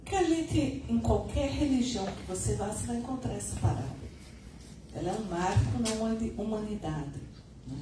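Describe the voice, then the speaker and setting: A middle-aged woman giving a conversational spiritist lecture, her voice still a little hoarse. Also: mid-range voice, lively intonation, moderate pace, distant mic. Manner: conversational, adds tag questions. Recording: echoey room, recorded from afar, noisy.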